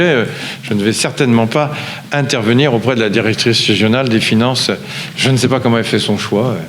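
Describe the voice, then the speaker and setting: A man chairs a council meeting, explaining formally with hesitant, repeated phrasing. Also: mid-range voice. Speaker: local official chairing a town council meeting. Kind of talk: formal council presentation, semi-improvised. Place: large echoing meeting room. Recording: reverberant hall, background noise.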